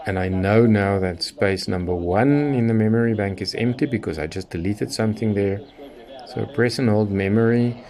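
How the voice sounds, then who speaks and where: A man's voice: on the low side, a little mellow. A middle-aged man giving an unscripted, methodical hands-on product demonstration, explaining each step as he goes. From Southern Africa. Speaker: shortwave radio hobbyist presenting a tutorial.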